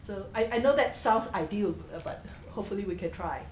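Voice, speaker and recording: A woman's voice: medium pitch, expressive, brisk, darkish tone. A woman from Singapore making a comment in a workshop discussion, earnest and hesitant, with many fillers. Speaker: workshop participant. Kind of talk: roundtable discussion. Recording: echoey room with background noise.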